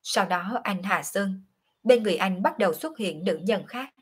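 A woman reading a calm, confiding young woman. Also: medium pitch, normal speed, husky. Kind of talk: audiobook character reading.

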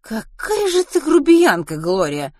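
A brash, indignant woman from an audiobook story, acted out by a female narrator. She exclaims loudly in a raised pitch that swoops widely. The sound is close and dry. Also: huge pitch swings, moderate pace, dry recording, exaggerated voice. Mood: indignant, shouting. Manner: loud, outraged exclaiming. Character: brash, foul-mouthed, indignant woman who shouts.

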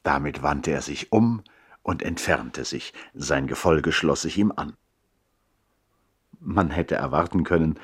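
An actor playing a reflective, melancholy brother who narrates a literary radio play in a measured, emphatic, theatrical way. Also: male voice, low voice, husky, full character voice. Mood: measured, recounting.

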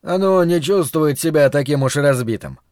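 A man voicing a quiet, firm father who speaks calmly and evenly in an audiobook. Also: no echo, clean studio sound. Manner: calm, low, measured.

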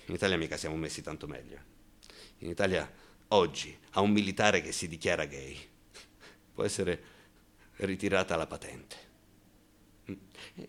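An actor playing a bitter, wounded gay man in a colloquial, impassioned radio monologue, halting, repeating words and asking sarcastic rhetorical questions. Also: rumbling low, exaggerated voice. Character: bitter, wounded gay man denouncing macho military cruelty.

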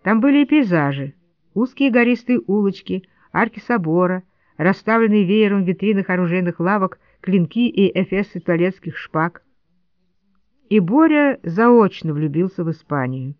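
A woman's voice: mid-range voice, expressive, moderate pace, no room sound. A woman narrating a first-person memoir as an audiobook, in a wry, lightly ironic storytelling manner. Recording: dull lo-fi dry studio read.

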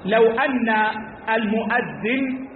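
High-voiced man teaching in an echoey hall. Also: expressive, slow pace, a little hiss or hum. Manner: repeats key phrases for emphasis; addresses listeners as brothers. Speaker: Islamic scholar teaching a class. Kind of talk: explanatory religious lesson. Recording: echoey hall over tinny lo-fi line.

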